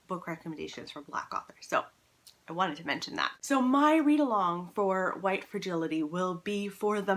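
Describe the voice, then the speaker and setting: A woman's voice: fairly low pitch, pushed and bright. A woman talking casually to camera as a vlog host, earnest and emphatic, repeating words for emphasis. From Canada. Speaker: book vlogger, channel host.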